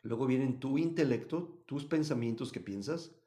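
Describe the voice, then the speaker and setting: A man from Mexico, teaching a live Bible study and answering chat comments, swinging between loud emphasis and quiet asides. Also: medium pitch, expressive, normal speed.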